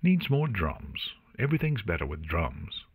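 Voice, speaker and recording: A man's voice: low voice, sing-song, a little slow, breathy edge, narrow, tinny audio, full character voice. A man voicing a cheeky, chatty young female pony paladin in a fantasy audiobook, flippant and awkward. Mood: wry musing.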